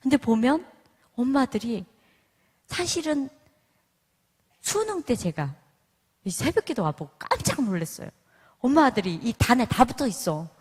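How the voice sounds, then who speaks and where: A middle-aged woman gives a church testimony, telling stories with humor and mimicking the voices of other mothers. Her voice is a little high and darkish with a breathy edge, swinging widely in pitch at normal speed with frequent pauses. The recording has the echo of a church hall.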